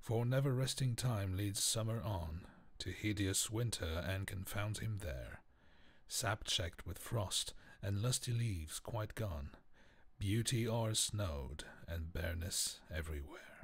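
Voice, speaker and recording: Somewhat breathy, a man speaks at a fairly slow pace in a fairly low pitch with ordinary pitch variation. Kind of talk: poetry reading.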